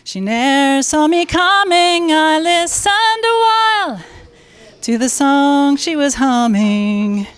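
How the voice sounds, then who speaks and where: A high-voiced woman sings an old folk ballad slowly and unaccompanied. She takes the verses at an unhurried pace in a community hall, with faint music somewhere in the mix. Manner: unaccompanied, nervous but steady singing. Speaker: event performer singing a folk song. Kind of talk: live folk singing at a community event.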